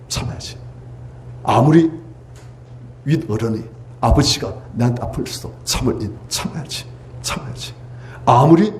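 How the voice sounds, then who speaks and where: Impassioned Korean pastor with a dark voice. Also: male voice, medium pitch, a little hiss or hum. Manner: impassioned, swings from loud pleading cries to hushed near-whispers. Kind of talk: revival sermon. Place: church sanctuary.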